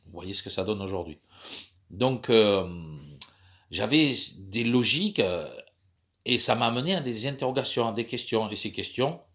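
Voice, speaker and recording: Casting: man, 50s, lowish voice, stuffy from a cold, rambling monologue with many hesitations. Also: lively intonation, normal speed, fairly bright tone. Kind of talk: personal monologue.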